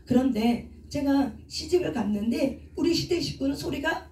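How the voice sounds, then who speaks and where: Middle-aged woman, counselor and preacher, mellow tone, picked up from a distance in an echoey church hall. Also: high voice, expressive, normal speed. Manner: asks rhetorical questions and answers them herself. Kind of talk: teaching sermon with questions to the congregation. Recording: echoey room, speaker away from the mic.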